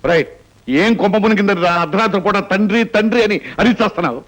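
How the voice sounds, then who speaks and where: An actor playing a gruff middle-aged father in a film scene. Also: high voice, rapid-fire, fairly bright tone, rough recording. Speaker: wealthy father figure. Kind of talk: Telugu film dialogue.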